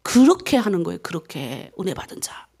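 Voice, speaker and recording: A middle-aged woman pastor from North Korea with a North Korean accent, preaching a dawn prayer sermon, animated, swinging between loud and hushed. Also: lowish voice, a little fast, husky.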